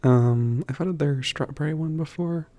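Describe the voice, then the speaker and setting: A man playing a kind, slightly awkward stranger in an ASMR roleplay, speaking gently and hesitantly with soft, casual phrasing. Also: on the high side, dry recording, close to an everyday voice. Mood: warm, attentive. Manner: gentle, hesitant, softly chuckling, halting with thinking pauses.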